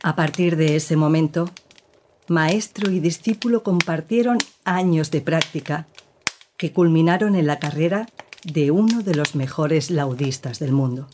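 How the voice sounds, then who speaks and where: An actress playing a woman who gravely recounts her partner's past in an audio drama, with measured, serious storytelling. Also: low-pitched, noisy background.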